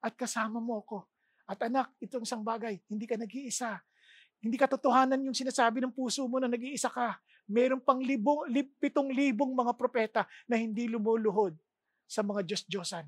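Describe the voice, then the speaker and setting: A woman voicing God as a gentle, fatherly speaker in a whispered role-play, soft and hushed, with a dry, close sound. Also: a little high, steady tone, fairly quick, dry recording, lightly acted. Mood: tender reassurance.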